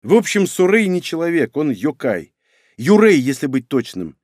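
A man reading an audiobook voices a blunt, sardonic young man in a raised, lively way. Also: a little high, normal speed, dry recording, clean studio sound, voice pushed up. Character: cocky young male hero, blunt and sardonic.

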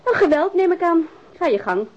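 High, lively bossy woman. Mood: brisk, dismissive. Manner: brisk, bantering, commanding. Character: bossy, teasing, practical woman at home. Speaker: radio drama actress. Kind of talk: naturalistic radio drama dialogue. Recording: muffled radio drama recording.

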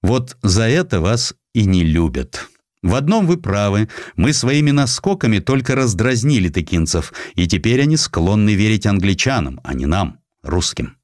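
A man playing a measured, condescending but approving Russian emperor in a dramatized audiobook. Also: on the low side, very animated, darkish tone, no echo, studio quality. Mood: reproving. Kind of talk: audiobook character acting.

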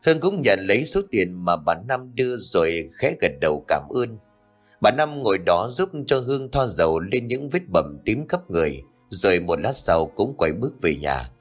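A man narrates a scripted ghost story in a steady storytelling read. His voice sits on the low side with animated swings of pitch. Faint music plays behind him. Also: normal speed.

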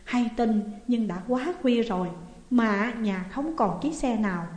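A woman's voice: animated, unhurried, darkish tone. A woman voicing a shaky, frightened young man. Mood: anxious. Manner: high, shaky and urgent. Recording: echoey room with long reverb.

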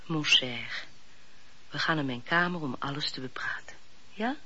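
A woman playing an emotional married lady of the house in a radio drama, expressive, urgent and tender. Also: deep voice, measured pace, exaggerated voice. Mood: tender, pleading. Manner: expressive, switches between commands and soothing. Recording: muffled old radio recording with noise.

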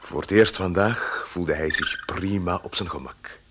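An actor playing a composed storyteller, giving scripted literary narration in a radio drama. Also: male voice, low voice, unhurried. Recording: clear background noise.

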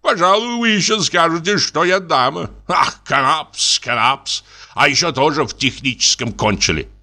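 A boastful army lieutenant of middle years, all bluster and wheedling charm, swooping up into excited highs, as a man reads him out. The voice has a bright, forceful edge. He hawks his beloved dog with theatrical outrage and flattery. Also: a little slow, exaggerated voice.

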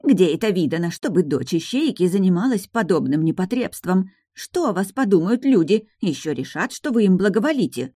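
A woman's voice: fairly low pitch, sing-song, fairly quick, hardly any pauses, warm tone, husky, dry recording, clean studio sound, pitched above the performer's own voice. A woman voicing a stern older nanny who scolds and lectures in a reproachful tone, in a fantasy audiobook. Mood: scolding.

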